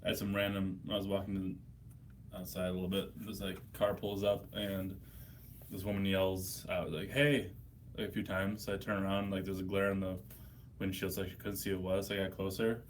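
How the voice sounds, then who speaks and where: Hungover American man with a lowish voice. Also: completely flat delivery, fairly quick, a little hiss or hum. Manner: profane, blunt, slangy. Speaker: livestream host. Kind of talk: casual livestream chat answering viewers' questions.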